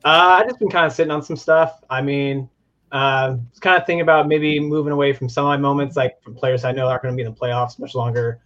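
A man in his twenties from Indianapolis joins a casual chat as a guest. He talks quickly in a loose, hesitant way, full of fillers. His audio comes through dull and muffled. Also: medium pitch, fairly even intonation, fairly bright tone. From Indianapolis, USA. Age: 20s. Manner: laid-back, hesitant, many fillers. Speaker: guest from a community Discord.

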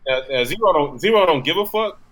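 A man from Texas, a guest musician talking casually on a podcast, relaxed and profane, often restarting his words. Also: a little high, moderate pace, crowd noise.

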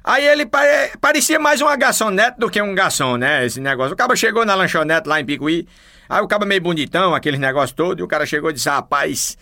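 A man's voice: sits high, animated, fast, pushed and bright. A man from Paraíba telling folksy jokes in a chatty way, with a northeastern Brazilian accent. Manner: chatty, peppers talk with "rapaz". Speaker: joke teller.

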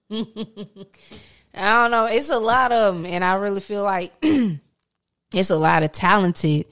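A woman's voice: mid-range voice, takes it slowly, pauses often, fairly bright tone, smooth. A woman hosting a casual podcast chat, blunt and teasing, laughing often between remarks. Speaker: podcast host.

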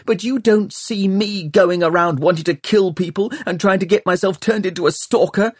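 A male audiobook reader voicing an earnest, desperate teenage boy, shouting and pleading. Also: high voice, moderate pace, husky, no echo, pitched above the performer's own voice. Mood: pleading, angry.

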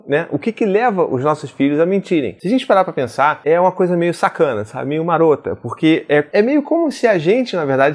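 A father chats casually to camera about parenting. He talks very fast in a slightly high voice. He tells stories animatedly and acts out the dialogue. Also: a little mellow.

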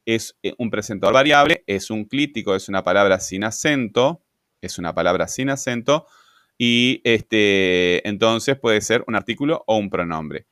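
A man teaching grammar. He asks himself questions, answers them, and fills pauses with "eh" and "este". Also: lowish voice, expressive, a bit bright, no room sound, studio quality. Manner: asks and answers his own questions, adds tag questions; repeats words, fillers "eh" and "este". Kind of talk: explaining sentence grammar at a board.

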